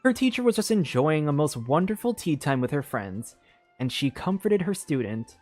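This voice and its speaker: A sing-song, darkish mid-range voice belongs to a streamer reading a game's story over music at a normal pace. Narration mixes with casual livestream chatter as she comments on herself, trips over lines and repeats the odd word.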